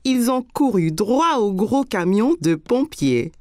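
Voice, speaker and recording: A woman narrating a French-dubbed children's cartoon like a simple, expressive story for small kids. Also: medium pitch, takes it slowly, dry recording, studio quality.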